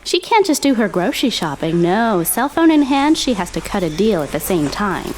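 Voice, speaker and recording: A woman's voice: medium pitch, very animated, moderate pace, slight background noise, close to an everyday voice, rough recording. A woman playing a young small-town woman who narrates an audio drama in a wry, chatty way. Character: missing young local woman narrating wryly.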